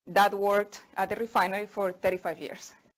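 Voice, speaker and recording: A woman with a Venezuelan accent at a fairly quick pace. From Venezuela (Paraguaná peninsula, studied in Caracas). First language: Spanish. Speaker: engineer and part-time programming instructor. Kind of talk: conference talk. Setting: meetup presentation with audience. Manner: casual, hesitant with fillers.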